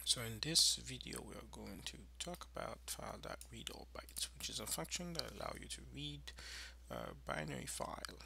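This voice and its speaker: A man presenting an informal screencast tutorial, explaining in a halting, improvised way. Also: medium pitch, wildly swooping pitch, vocal fry, background noise.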